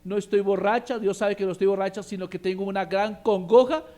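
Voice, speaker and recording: A man's voice: sits high, fairly even intonation, fairly quick, natural voice. A man doing a tearful, pleading woman. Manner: soft, earnest pleading.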